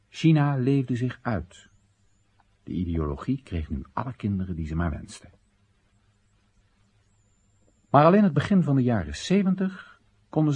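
A man's voice: lowish voice, dark tone, breathy edge, heavily acted. An actor playing a wry Chinese everyman who narrates and questions his country's policies in a radio drama monologue, ironic, rhetorical and theatrical. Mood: wry, reflective.

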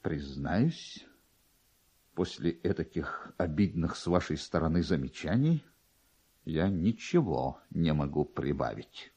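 A man voicing a proud, touchy, self-pitying official in a theatrical, drawn-out way, as in a dramatic literary reading. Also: a bass voice, expressive, warm tone, husky, pitched below the performer's own voice, full character voice. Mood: indignant, dignified. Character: proud touchy male collegiate assessor, self-pitying and distraught.

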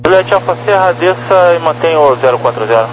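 Brazilian male air traffic controller, slightly high voice, procedural radio instructions, clearly noisy channel. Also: lively intonation, fairly quick, dull audio. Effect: aviation radio.

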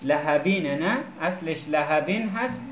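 A man's voice: fairly high pitch, lively intonation, a bit bright. A man teaching Quran recitation, patiently questioning and correcting his students. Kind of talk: classroom teaching. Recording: echoey room with crowd noise.

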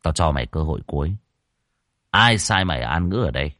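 A man voicing a brash, rough-talking young ghost exorcist who taunts and threatens. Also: sits low, big pitch swings, moderate pace, dry recording, studio quality, voice pushed down. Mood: threatening. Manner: taunting, swaggering, rough-spoken.

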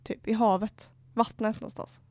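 A woman's voice: a little high, dry recording. A young woman, co-hosting a casual podcast chat, giggly and swearing as she tells stories. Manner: giggly, swearing, animated storytelling. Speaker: podcast co-host.

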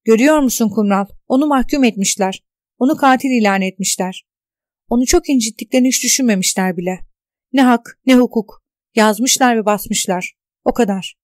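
A woman reading out the loud, exasperated outbursts of a shaken, indignant character alone at home, in an audiobook. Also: on the high side, brisk, no echo, clean studio sound, close to an everyday voice. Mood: distraught.

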